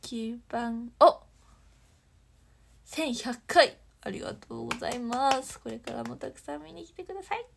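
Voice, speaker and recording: A young woman chatting on a livestream, reading viewer comments and thanking fans, bubbly and chatty with soft whispery asides. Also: fairly high pitch, expressive, normal speed, vocal fry. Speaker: idol livestreamer.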